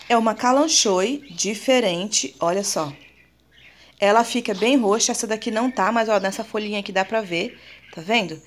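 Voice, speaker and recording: A woman's voice: medium pitch, slight background noise. A woman with a Brazilian Portuguese accent gives a casual show-and-tell vlog. She is chatty and affectionate, uses lots of diminutives, and keeps turning to her viewers. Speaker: plant vlogger.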